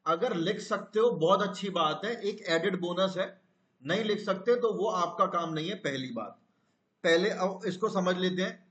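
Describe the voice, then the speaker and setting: A man's voice: sits high, moderate pace, a bit bright, echoey room, highs cut off. A man teaching a live online class, explaining step by step and asking his students questions.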